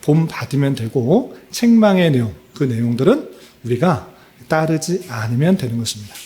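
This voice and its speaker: A male pastor preaching a Bible exposition at a church prayer meeting. He puts questions to the congregation, answers them himself, and fills his pauses with short "ye" and "e" sounds. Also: a little high, dark tone.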